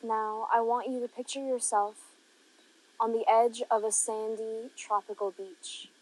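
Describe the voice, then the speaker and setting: A woman narrating a guided meditation, giving gentle, unhurried instructions with long pauses between phrases. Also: on the high side, little pitch movement, poor audio.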